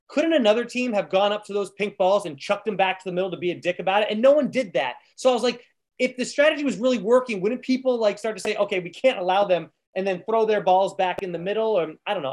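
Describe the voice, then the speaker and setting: Fast-talking, high-voiced man co-host. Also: animated. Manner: quick, questioning, says "man" and "dude". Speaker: podcast co-host. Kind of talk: casual aftershow chat.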